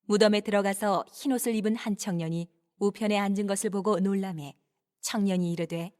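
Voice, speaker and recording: A woman narrating scripture from a script in a measured, clearly enunciated reading style. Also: mid-range voice, fairly even intonation, a little mellow.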